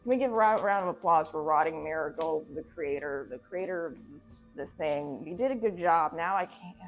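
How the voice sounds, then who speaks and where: Her voice sits low and her pace is normal as she delivers sarcastic, profane, irreverent video commentary with a theatrical flair. She's a video essay host being casual and jokey; the audio is poor and music plays behind her.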